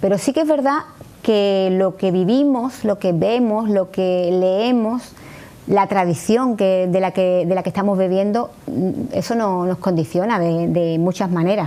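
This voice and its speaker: A woman's medium-pitched voice in an Andalusian accent, fairly slow, very even in loudness, with ordinary pitch variation over noticeable background noise. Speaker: poetry expert. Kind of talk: TV interview.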